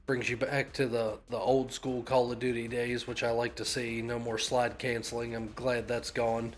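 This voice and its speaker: A man in his thirties talks through a stuffy, nasal head cold, giving his take on a game bluntly. He swears freely and brushes off the complaints of others. His pitch sits in the middle range, and faint music plays underneath. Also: little pitch movement, moderate pace. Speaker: gaming YouTuber. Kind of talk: casual opinion rant.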